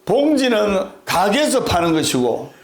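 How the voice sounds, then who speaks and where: A man's voice: sits high, very animated, a little slow, echoey room, a little hiss or hum. A man telling a joke in a sermon, voicing a learned professor who gives playful answers. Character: joking, learned male professor.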